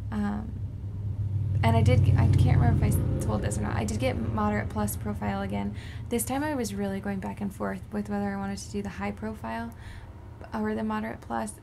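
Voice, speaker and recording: Brief: worn-out twenties woman, heavy vocal fry, raspy sore throat, rambling vlog update. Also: mid-range voice, a little hiss or hum. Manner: rambling, drifting into soft whispers. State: tired and sore after surgery. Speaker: beauty vlogger. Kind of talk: casual post-surgery update vlog.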